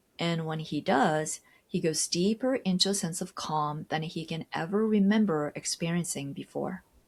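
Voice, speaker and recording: At a fairly slow pace, a somewhat breathy voice with a Japanese accent and ordinary pitch variation comes through a very clean recording with a silent background. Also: woman. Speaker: podcast host. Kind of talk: reading a story aloud.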